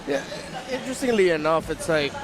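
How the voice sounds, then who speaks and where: A man from the Philippines giving measured, thoughtful esports analysis at a broadcast desk. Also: high-pitched, animated, a crowd in the background, rough recording.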